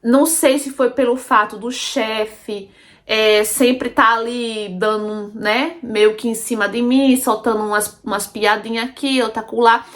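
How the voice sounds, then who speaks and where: A woman's voice: on the high side, steady tone, unhurried. A Brazilian woman telling her own story in a casual, chatty way, often calling out to her listeners and repeating phrases for emphasis. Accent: Brazilian Portuguese. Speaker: storytelling channel host. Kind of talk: casual first-person storytelling.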